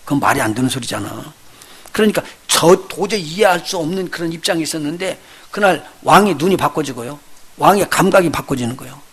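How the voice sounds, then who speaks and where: A male pastor preaching a sermon, telling the story with lively, acted-out voices and putting questions straight to his congregation. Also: on the high side, fairly quick, slightly rough. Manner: lively storytelling, acts out the characters he retells; addresses the congregation directly with questions.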